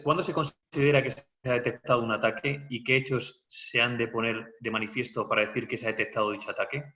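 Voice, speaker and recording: A man's voice: mid-range voice, bright, forceful tone, dull audio. A man moderating a webinar, reading out audience questions with a few hesitant fillers.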